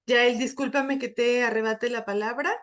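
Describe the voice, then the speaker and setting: A woman moderating an online webinar, with a somewhat higher voice. She speaks politely and welcomingly, pausing often on small fillers as she explains the rules and introduces the speaker. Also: fairly even intonation, fairly bright tone. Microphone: video call.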